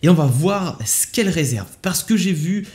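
A man's voice: high voice, animated, normal speed, a little mellow. A man hosting an upbeat, enthusiastic product unboxing review on his channel. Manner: enthusiastic, upbeat salesy delivery. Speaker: YouTube tech reviewer.

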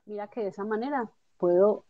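Patient woman teaching software. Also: mid-range voice, a little fast, noisy background. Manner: patient, explanatory, checks understanding with tag questions. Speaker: instructor. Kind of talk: software tutorial walkthrough. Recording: dull lo-fi dry audio.

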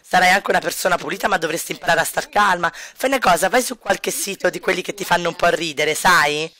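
A man's voice: high-pitched, quick pace, pushed and bright. A man voicing a laid-back, cocky joker in a life-sim game playthrough, teasing and ribbing in an easygoing way. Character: lazy, joking, cocky man who teases.

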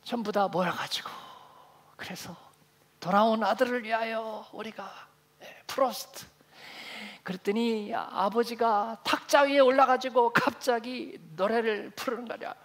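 A man's voice: very high-pitched, steady tone, a little slow, fairly bright tone. A male pastor preaching a sermon, telling a parable and acting out its characters. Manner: storytelling, acting out the figures of the parable. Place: church.

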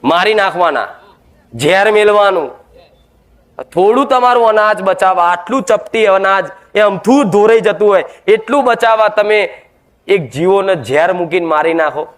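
A man's voice: high voice, animated, moderate pace. A man preaching a devotional sermon at a goddess shrine, scolding his listeners and throwing rhetorical questions at them.

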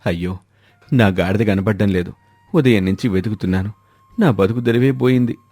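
A man's voice: lowish voice, brisk, dark tone, close to an everyday voice. A man voicing a hapless, gullible villager in a moral story, with a pleading, emotional manner. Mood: wailing, distressed. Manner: wailing, pleading. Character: hapless, gullible villager who keeps losing things. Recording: music behind the voice.

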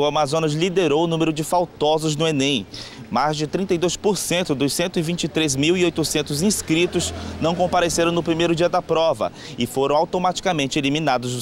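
A male reporter with a northern Brazilian accent reading a news report voice-over in a brisk, measured way. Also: a little high, a little hiss or hum. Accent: Brazilian Portuguese, northern.

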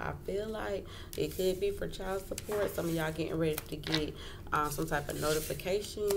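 A woman giving a casual tarot reading as host, talking informally, repeating phrases and checking in often. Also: sits low. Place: indoors at a wooden table. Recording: clearly noisy home recording.

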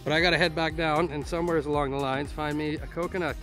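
A man's voice: fairly high pitch, steady tone, fast, a bit bright, faint music behind. A male travel vlogger talking casually and joking to himself while hiking outdoors in a rainforest, recorded on a handheld camera. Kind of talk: casual solo travel vlog narration.

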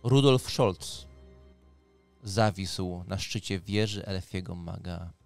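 A man's voice: low-pitched, takes it slowly, vocal fry. A man working as game master, narrating a tabletop roleplaying game in a dramatic storytelling manner. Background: music.

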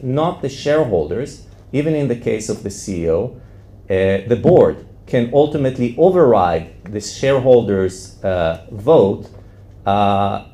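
A man in his forties giving an academic panel presentation in a halting, explanatory way into a handheld microphone. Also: medium pitch, dark tone. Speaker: law professor, conference panelist. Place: classroom-sized indoor conference room with audience. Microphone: handheld microphone close to mouth. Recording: roomy, echoing conference room sound.

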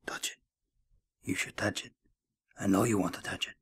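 A man voicing a lecherous, coaxing creep in a hushed, slow manner for dark comedy. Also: on the low side, fairly even intonation, slightly rough, in a whisper.

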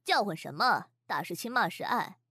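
A woman's voice: medium pitch, expressive, normal speed, pushed and bright, husky, no room sound, clean studio sound, full character voice. A woman playing a haughty, hot-tempered rich young mistress who scolds imperiously in a Chinese audio drama. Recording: music bed behind the voice.

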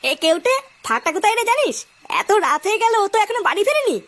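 A woman's voice: very high-pitched, sing-song, quick pace, fairly bright tone, full character voice. A woman voicing a worried, impatient village father, agitated and questioning, in a comedy cartoon. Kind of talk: amateur comedy cartoon dialogue.

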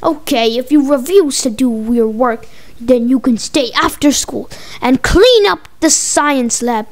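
A woman's voice: high voice, lively intonation, a little slow, pitched below the performer's own voice. A woman playing a stern, exasperated school science teacher in a storybook, firm and commanding.

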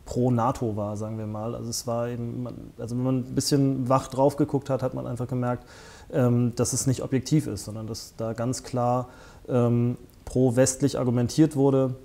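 Man in his forties, dark mellow voice. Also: mid-range voice, flat delivery, normal speed, vocal fry. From northern Germany. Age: 40s. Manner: hesitant, many fillers and restarts. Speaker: interview guest, festival founder. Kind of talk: conversational interview. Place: small studio set with armchairs. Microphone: lapel mic.

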